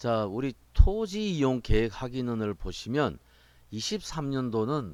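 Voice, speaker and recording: Very wide pitch swings mark a man's medium-pitched voice in a very clean recording with a silent background. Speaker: real estate auction instructor. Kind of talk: tutorial.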